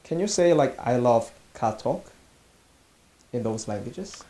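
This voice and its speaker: Halting male interviewer, second-language English. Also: medium pitch, expressive. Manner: frequent soft back-channel murmurs, halting questions. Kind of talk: casual interview.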